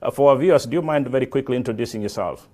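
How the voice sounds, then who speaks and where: A man's voice: medium pitch, very fast, mellow. A middle-aged man from Africa hosting a live interview show, speaking effusively and often repeating and restarting his phrases. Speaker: talk show host.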